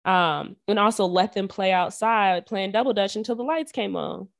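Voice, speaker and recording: A young woman podcast host telling stories from her childhood in a casual, animated way, full of slang and fillers. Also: medium pitch, normal speed, gravelly. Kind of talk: casual chat.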